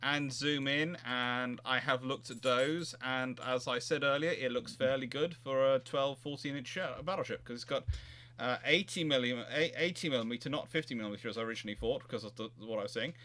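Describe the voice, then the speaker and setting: A man's voice: mid-range voice, fairly quick, sharp tone. A man hosting a history live chat, talking casually and technically, often repeating words and restarting his phrases.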